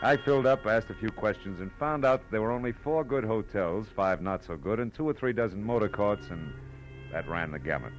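Low-voiced hard-boiled radio detective played by a man. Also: lively intonation, brisk, soft background music, natural voice, low-quality recording. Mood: tough, world-weary. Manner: wry, clipped, tough. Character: hard-boiled private detective, wry and world-weary. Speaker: lead actor and narrator. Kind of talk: 1940s radio detective narration and dialogue.

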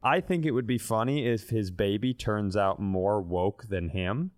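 A man's voice: on the low side, a little slow, no echo, clean studio sound. A man co-hosting a comedy podcast, telling casual stories in an irreverent, profane way.

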